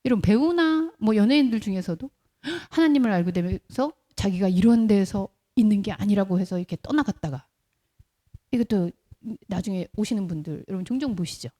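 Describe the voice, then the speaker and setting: Expressive and mellow, this woman pastor speaks fairly quickly in a medium-pitched voice. Her conversational sermon weaves in stories and rhetorical questions to the congregation, with brief impressions of quoted voices.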